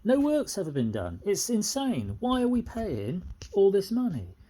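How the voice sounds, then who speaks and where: An aggrieved middle-aged British tenant talks off the cuff in a soft-edged, mellow voice. The pitch sits in a middle register and moves around freely. The delivery is indignant and repetitive, like a personal complaint spoken without a script. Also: wildly swooping pitch, normal speed. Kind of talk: unscripted personal grievance monologue.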